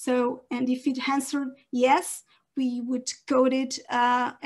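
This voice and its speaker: A woman talks very slowly in a Portuguese accent, her voice high-pitched. Her intonation is monotone and flat, over a quiet background. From Portugal. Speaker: researcher. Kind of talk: academic presentation. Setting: video call. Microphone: webcam.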